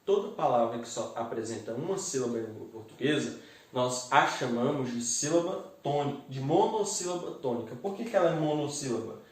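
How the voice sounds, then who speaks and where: A man's voice: medium pitch, expressive, a little fast. A male teacher explaining a grammar lesson step by step and often checking in with his students. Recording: echoey room, mic set far off.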